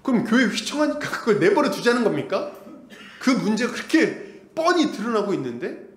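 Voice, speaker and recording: A man's voice: high-pitched, very animated, fairly quick, reverberant. A man preaching a sermon as pastor, acting out the voices of church members he quotes. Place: church sanctuary.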